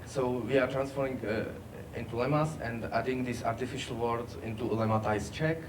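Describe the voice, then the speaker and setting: A man giving a technical workshop presentation, halting with many fillers. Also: medium pitch, steady tone. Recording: distant mic, background noise.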